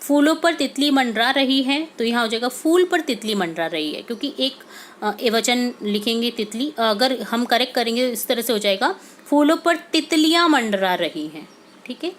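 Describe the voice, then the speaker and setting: A woman's voice: a little high, expressive, normal speed, a little hiss or hum. Woman teacher explaining Hindi grammar. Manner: explains step by step, mixing in English words. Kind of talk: workbook solution lesson.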